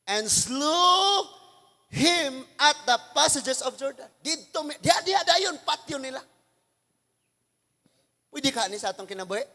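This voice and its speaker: High, bright-voiced Filipino pastor preaching. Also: male voice, in a large hall. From Philippines. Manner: animated preaching, mixing in English scripture, bursts of shouting. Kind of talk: sermon.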